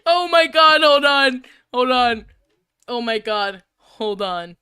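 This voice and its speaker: A woman with a high, bright voice reads a story aloud in a casual livestream manner. She takes her time, often cracking up and tossing in crude asides, with a crisp, clean delivery. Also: expressive, takes it slowly, no room sound, clean studio sound. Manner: giggly, often breaking up while reading; crude, swearing banter. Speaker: stream co-host reading fan fiction aloud.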